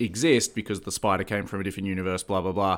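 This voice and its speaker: Fairly even intonation in an Australian accent, on a very clean recording with a silent background. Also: man. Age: 30s. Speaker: podcast host. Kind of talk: casual chat.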